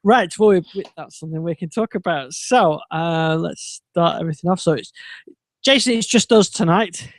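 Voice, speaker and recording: A man's voice: fairly high pitch, moderate pace, no room sound. A man hosting a casual tech podcast, talking in a meandering way with many ums and restarts. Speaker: podcast host.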